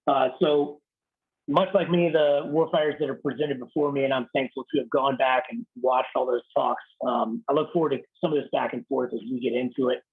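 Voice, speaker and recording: A raspy-voiced man in his thirties, a military officer giving a blunt, casual leadership talk over a video call. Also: medium pitch, steady tone, brisk, phone-quality sound. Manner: blunt, casual, swears lightly. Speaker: Marine Corps officer speaking to a unit.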